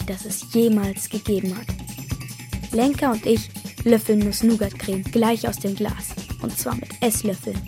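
A woman narrating a children's story in a gentle, lively way, voicing the characters as she reads. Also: on the high side.

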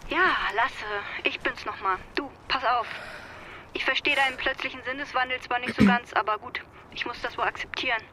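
An actress playing an exasperated friend who leaves a firm voicemail in a radio drama. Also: female voice, high-pitched, fairly quick, a loud crowd, natural voice, low-quality recording.

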